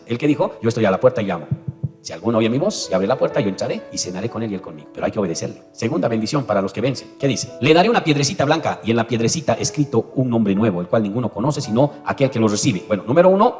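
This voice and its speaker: Fast-talking preaching man in a hall. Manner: preaching with dramatic rises in pitch and volume. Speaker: pastor. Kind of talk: sermon. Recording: long hall reverb with faint music.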